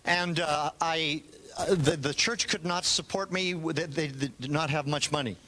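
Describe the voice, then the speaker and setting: An older male preacher from Canada delivers his sermon in short, measured phrases. He leaves gaps for an interpreter. His voice is bright and sits a little high. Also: fairly even intonation. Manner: storytelling, pauses in short phrases for translation.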